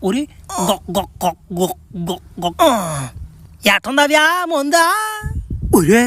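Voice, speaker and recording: A man's voice: extremely high pitch, sing-song, slow pace, crowd noise, heavily acted. A man voicing a cocky, crude young male superhero stranded on a strange planet in a comedy cartoon, swearing and laughing as he talks, with a rural Andhra Telugu accent. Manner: foul-mouthed, boisterous, laughs between lines.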